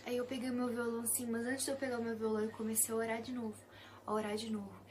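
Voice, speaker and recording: A young woman with a Brazilian Portuguese accent sharing a personal Christian testimony, soft and intimate, often sinking to a hushed whisper. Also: a little high, level tone, rapid-fire, a little hiss or hum.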